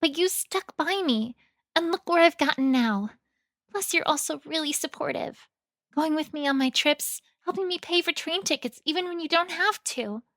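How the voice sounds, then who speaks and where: A woman's voice: sits high, moderate pace, fairly bright tone, dry recording, clean studio sound. A woman playing a sweet, earnest, affectionate young love interest in a fan fiction audio drama, speaking tenderly and sincerely.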